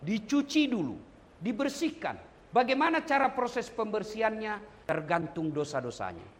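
A man preaching at a condolence gathering, animated and humorous, often speaking straight to his listeners. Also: high-pitched, normal speed. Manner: animated and humorous, addressing listeners directly as "Pak". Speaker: Islamic preacher.

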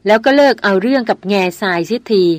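A woman's voice: medium pitch, quick pace, no echo, natural voice. A woman voicing a proud, headstrong young noblewoman who speaks firmly and insistently in an audiobook. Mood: cool. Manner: firm, insistent.

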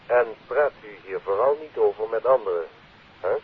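A Dutch actor playing a secretive, earnest telephone caller in a 1950s radio play. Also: male voice, on the low side, expressive, moderate pace, slightly rough. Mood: guarded, urgent. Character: secretive, earnest male caller arranging a meeting. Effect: telephone filter. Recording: tinny phone line, hissy 1950s radio.

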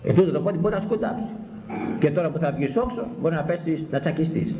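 A man preaching a sermon, repeating words for emphasis and swinging between high exclamations and low, grave phrases. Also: dark tone, lo-fi sound. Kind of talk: sermon on a Bible passage. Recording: echoey hall, faint background noise.

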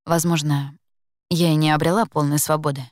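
A woman reads a first-person story in a calm, measured way, her voice sitting a little low. The sound is dry and close, with no room around it. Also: no room sound. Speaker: audiobook narrator. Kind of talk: scripted first-person narration.

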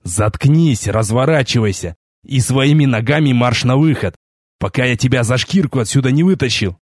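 A man voicing a cold, menacing white-haired sorcerer prince who speaks in a flat, contemptuous way. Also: medium pitch, normal speed, slightly rough, no echo, clean studio sound. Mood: threatening.

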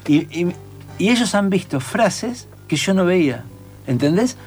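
A man's voice: sits high, animated, measured pace, a little mellow, faint music behind. A man with a Rioplatense Spanish accent, a writer and teacher in casual conversation, who sings out rhythms to explain his points.

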